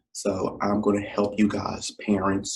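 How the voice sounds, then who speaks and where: Somewhat slow, slightly airy speech from a man pitched a bit low. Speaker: education podcaster. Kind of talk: podcast monologue. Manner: casual, filler-heavy.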